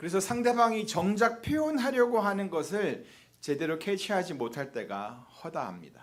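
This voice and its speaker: At a moderate pace, the voice makes very wide pitch swings amid audible room echo. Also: man, high pitch for a man. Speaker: pastor. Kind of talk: sermon. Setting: church.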